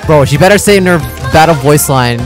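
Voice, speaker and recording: A gaming channel host talks in a casual, slangy reaction style. The voice sits at a medium pitch and often breaks into exclamations. Music plays behind it. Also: animated, a little fast.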